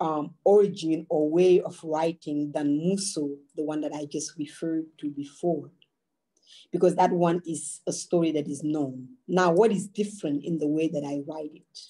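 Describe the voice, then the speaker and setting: In a Malian accent, the voice has a dark, mellow tone and fairly even intonation at a moderate pace. Its loudness swings widely. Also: woman, very deep, low pitch for a woman. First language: Bamana. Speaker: storyteller. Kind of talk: panel talk.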